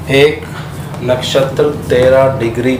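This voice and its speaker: A man talks at medium pitch, monotone with flat intonation. Noticeable background noise and audible room echo are present. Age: 40s. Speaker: astrology teacher. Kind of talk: tutorial. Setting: video with slides on screen.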